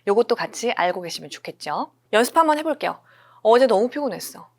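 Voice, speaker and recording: A woman teaching an English grammar lesson, explaining step by step, often checking in with listeners and repeating example sentences slowly. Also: fairly high pitch, sing-song, creaky.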